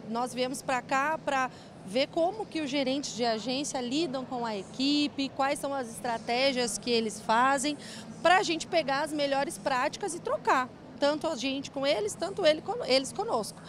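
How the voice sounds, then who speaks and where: This young woman from São Paulo city, Brazil, a bank branch manager, is cheerful and quick to laugh while answering casual interview questions into a handheld mic. She speaks at normal speed in a high-pitched voice inside a large event hall with rows of chairs, and the background is noisy.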